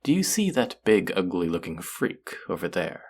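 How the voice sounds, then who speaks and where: A performer playing a cruel alien collector in an audio drama, condescending and cooing with false kindness, slowly savoring the words. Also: sits low, sing-song, a little mellow, breathy edge, full character voice. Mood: coaxing, possessive. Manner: condescending, cooing, slow and savoring, often dropping to whispers. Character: cruel, covetous alien collector-artist feigning kindness to a captive. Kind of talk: dramatic second-person audio roleplay monologue.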